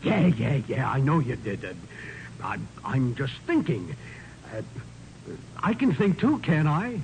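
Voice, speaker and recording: Excitable American cop, sarcastic sergeant, highish animated voice, 1940s radio sound. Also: male voice. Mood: exasperated. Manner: blustery, sarcastic, halting when flustered. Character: grumbling, excitable male police sergeant. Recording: noisy old 1940s radio recording.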